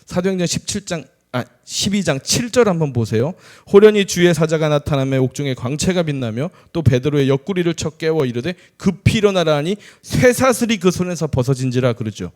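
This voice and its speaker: A man's voice: fairly high pitch, expressive, a little fast, few pauses, a little mellow. A middle-aged man, an associate pastor, preaching a conversational sermon with humorous asides.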